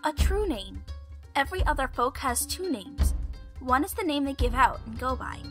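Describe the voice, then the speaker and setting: A woman's voice: sits high, very animated, moderate pace, over music. A woman playing a chirpy young woman in an audio drama, enthusiastic and earnest about old monster lore. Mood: eager.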